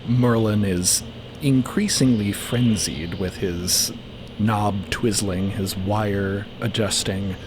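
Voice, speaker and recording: A man's voice: fairly low pitch, steady tone, takes it slowly, background noise. A man giving dramatic scripted narration for a fiction podcast. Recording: voice over prominent music. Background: music.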